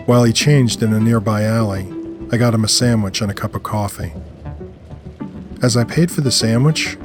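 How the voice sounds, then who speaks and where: A man narrating scripted first-person audio fiction. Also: mid-range voice. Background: music.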